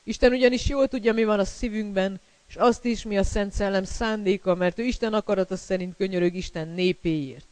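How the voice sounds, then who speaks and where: A man's voice: high-pitched, darkish tone, clear, resonant tone, dry recording, low-quality recording. A man preaching a sermon, emphatic and repeating key words, with fillers between phrases.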